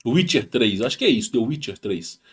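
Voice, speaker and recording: A channel host with a Brazilian Portuguese accent reads a text aloud, then drifts into rambling, slangy commentary full of restarts. His mid-range voice swings widely in pitch and moves fairly quickly, captured on a home setup with rural internet.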